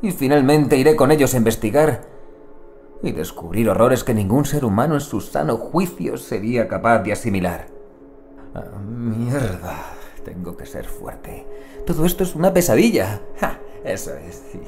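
An actor playing an anguished, loyal investigator who dreads cosmic horror, in a theatrical, brooding audio drama monologue that swings between outburst and muttering. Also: male voice, mid-range voice, very animated, moderate pace, a little mellow, faint music behind. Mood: anguished, fearful.

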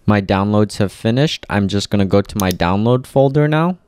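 Deep, smooth-voiced man giving a tutorial. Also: lively intonation, moderate pace, darkish tone. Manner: clear, methodical instructing. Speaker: tutorial presenter. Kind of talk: step-by-step software tutorial voice-over.

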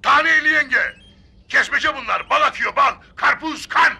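An actor playing a loud, pushy street watermelon vendor who bellows his cries and talks coarse and cheeky, outdoors in a sitcom. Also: very high-pitched, normal speed, gravelly, heavily acted. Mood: bargaining. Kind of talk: sitcom acting. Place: outdoors in a holiday housing estate.

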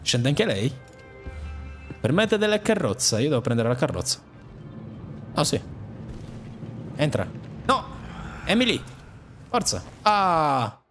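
Un uomo che commenta una partita a un videogioco con tono scherzoso e agitato, parlando ai personaggi del gioco. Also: male voice, fairly high pitch, takes it slowly, pauses often, faint music behind. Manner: animated, jokey, talks to the game characters. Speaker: gaming YouTuber. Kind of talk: excited gameplay commentary.

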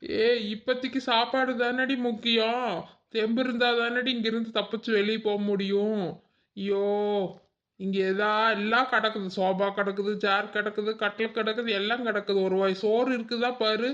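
A man's voice: high-pitched, little pitch movement, normal speed, a bit bright, lo-fi sound. A man voicing a fretful, hungry village woman in a cartoon who keeps complaining. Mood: whining. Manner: whiny, complaining, hunger-obsessed. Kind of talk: cartoon voice acting.

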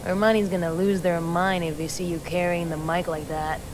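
A performer playing Kay, a mischievous, defensive young mechanic. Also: male voice, fairly high pitch, little pitch movement, moderate pace, slight background noise, natural voice.

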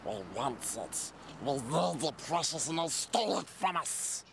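A man voicing a wretched, obsessive, greedy cave creature in a gravelly rasp. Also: fairly high pitch, animated, measured pace, voice pushed up. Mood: craving, bitter. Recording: faint outdoor noise.

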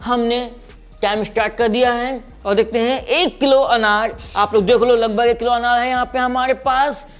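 A young product reviewer chats casually as he tries out a hand-press juicer in a small studio set with a striped backdrop. His very high voice is clear and resonant, with fairly even intonation and normal speed, picked up by a lapel mic.

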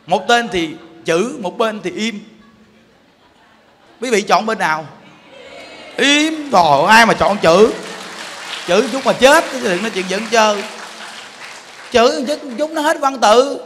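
A man's voice: high voice, lively intonation, moderate pace, pauses often, a bit bright, a little hiss or hum. A man with a Southern Vietnamese accent giving a Buddhist sermon, emphatic and playful, often putting rhetorical questions to his listeners. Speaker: Buddhist teacher. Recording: long hall reverb.

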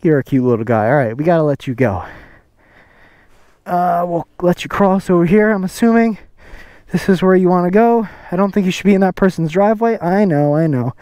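A motovlogger chatting casually while riding, with a relaxed, rambling way of talking full of fillers, recorded outdoors on a helmet microphone. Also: medium pitch, brisk, no echo. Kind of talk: casual riding vlog chat. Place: outdoors, riding a motorcycle on a road. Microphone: helmet-mounted microphone. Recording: road and engine noise behind.

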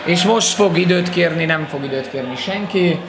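A man commentates live on sport in an excited, exclamatory way. His voice sits high and has a gravelly creak to it. Clear hall noise surrounds him. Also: a crowd in the background. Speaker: futsal match commentator.

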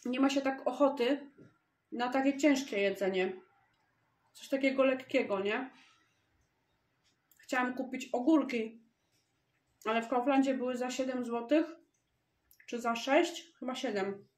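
A woman's voice: sits high, unhurried, long pauses, a little mellow. A woman vlogger chatting casually to her viewers, thinking aloud as she unpacks groceries in a home kitchen.

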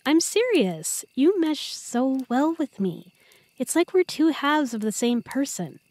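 A woman's voice: high-pitched, big pitch swings, unhurried, darkish tone, no room sound. A woman playing an affectionate, earnest young girlfriend in an intimate, chatty roleplay audio drama. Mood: tender. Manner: tender, chatty, playful.

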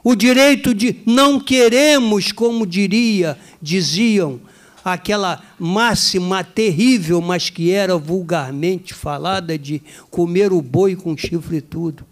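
Older colonel from rio, fiery formal speech, high-pitched, keeps repeating lines for punch. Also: male voice, unhurried. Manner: impassioned, declamatory, repeats phrases for emphasis. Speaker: retired military police colonel.

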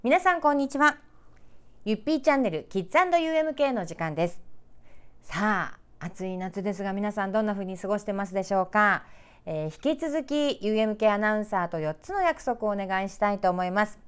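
A middle-aged woman presenter speaking to children in clear, polite, measured announcer diction, as in a picture-book read-aloud. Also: mid-range voice. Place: small indoor room with sofa.

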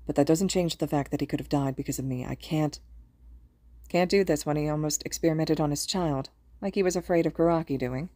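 A woman's voice: low-pitched, dark tone, no room sound, natural voice. A woman voicing a guilt-ridden, self-loathing older man in an audiobook, subdued and resigned.

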